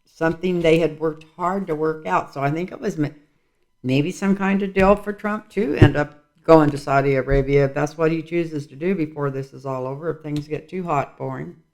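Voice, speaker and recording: Gravelly man musing over tarot cards. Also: fairly high pitch, normal speed, darkish tone. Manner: rambling, musing aloud. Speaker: tarot reader. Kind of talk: casual tarot reading vlog.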